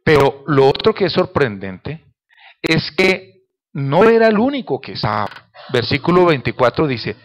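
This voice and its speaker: Male pastor, sermon delivery, slightly high voice, emphatic questioning style. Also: sing-song, measured pace, slight background noise. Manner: emphatic, with rhetorical question tags.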